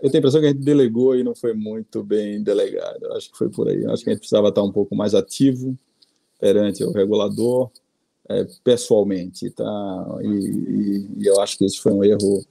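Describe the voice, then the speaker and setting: A man's voice: on the low side, steady tone, fairly quick, gravelly, warm tone, breathy edge, dry recording. A middle-aged Brazilian man on a panel, speaking hesitantly, repeating words and checking in with "tá?". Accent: Brazilian Portuguese. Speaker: investor and board adviser. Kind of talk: panel discussion, conversational.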